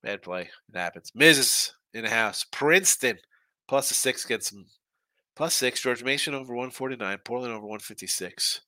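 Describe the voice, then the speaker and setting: A man's voice: medium pitch, expressive, moderate pace, bright, forceful tone, dry recording. A man hosting a live sports betting show, chatting loosely and reading viewer comments, with a congested, stuffy nose. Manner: chatty and loose, with frequent restarts and asides.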